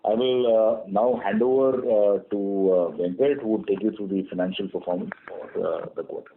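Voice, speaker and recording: Halting businessman on a tinny phone line. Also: fairly low pitch, fairly even intonation, a little hiss or hum. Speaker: company executive on an earnings call. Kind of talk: prepared business remarks on a conference call. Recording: tinny narrow-band phone conference line.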